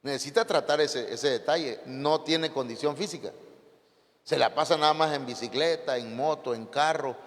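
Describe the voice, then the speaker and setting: A man with a Mexican accent preaches with a fairly high voice, keeping the sermon lively by turning questions on his listeners. His voice rings through a church hall with a long reverb tail. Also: normal speed.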